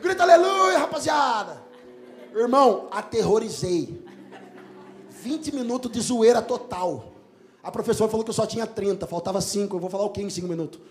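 A male pastor telling a story in a sermon, animated and lively, sometimes breaking into shouts and laughter. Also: high-pitched, fast, faint music behind.

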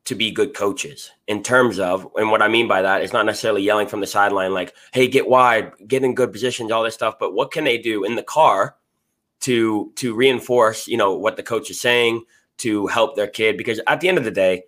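Man, podcast host, casual interview, thoughtful, hesitant, lowish pitch. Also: brisk, fairly bright tone. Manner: thoughtful questioner, hesitant fillers. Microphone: podcast microphone.

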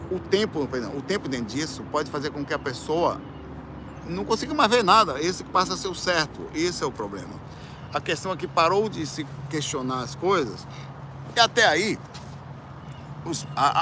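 With a somewhat high voice and a Brazilian Portuguese accent, a musician casually recounts something from his own life. He's lively and informal, performing the voices of the people he quotes with sudden loud bursts, over slight background noise.

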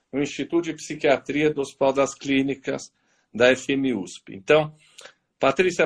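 A man hosting a live video-call interview, chatty and teasing his guest with jokes. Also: on the high side. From Greek. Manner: jokey, teasing banter. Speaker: host.

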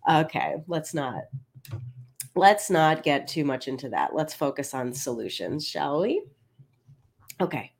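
A woman's voice: deep voice, expressive, a little slow, pauses often, husky. A woman coaching on binge eating in a live-streamed talk, sounding congested, chatty and candid, laughing a little now and then.

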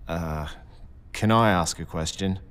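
Anxious civilian, low voice, hesitant, earnest, sci-fi audio drama. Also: male voice, a little slow, a bit bright, smooth. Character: anxious male civilian voicing everyone's fear. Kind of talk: science fiction audio drama acting.

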